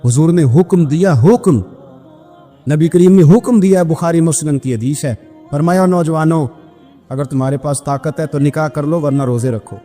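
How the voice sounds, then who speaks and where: A man preaching a sermon, telling stories and acting out the voices of the people in them, rising to loud emphatic peaks. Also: a little high. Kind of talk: sermon storytelling. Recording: long hall reverb with faint music.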